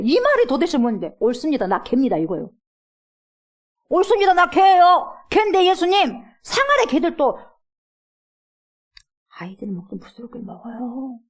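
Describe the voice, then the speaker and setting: A middle-aged woman pastor preaching a sermon in a church, acting out pleas and swinging between loud and hushed. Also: a little high, breathy edge. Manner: dramatic, acts out quoted pleas with big swings from loud to hushed. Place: church sanctuary.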